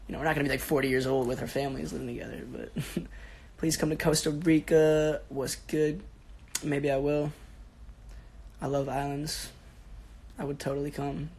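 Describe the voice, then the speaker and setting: Streaming from his bedroom on his phone, this social media personality reads comments and answers fans in a loose, rambling, slangy way. He's in his twenties, and his voice is fairly high, raspy, and sounds sick.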